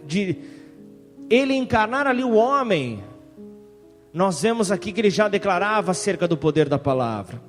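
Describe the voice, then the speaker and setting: A high-voiced man preaches as pastor, reading scripture passages and pausing to call for amens. His voice rings out in a hall with a long reverb, with soft music faintly underneath. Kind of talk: sermon.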